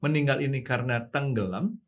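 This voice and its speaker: A man's voice: medium pitch, brisk. Curious male host asking questions. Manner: curious, asks short follow-up questions. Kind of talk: casual interview chat.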